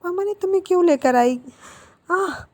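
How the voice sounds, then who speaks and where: A woman's voice: high-pitched, steady tone, fairly quick, warm tone, natural voice. A woman voicing a quarrelsome, easily irritated young man who whines and scolds, in a storybook retelling. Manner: whiny, scolding complaints.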